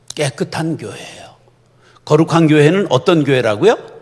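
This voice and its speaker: The man's tone is animated. His intonation is lively. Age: 70s. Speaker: retired pastor, guest preacher. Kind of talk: sermon to church officers, humorous. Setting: church service with congregation. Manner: animated, conversational.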